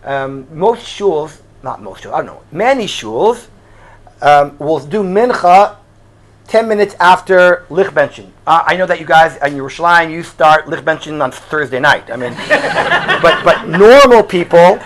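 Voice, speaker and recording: A man's voice: a little high, expressive, a little slow, fairly bright tone. A man from Israel, a Hebrew speaker, giving an informal religious class as a rabbi, in a conversational, questioning way sprinkled with Hebrew and Yiddish terms. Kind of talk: informal religious lecture to a live group.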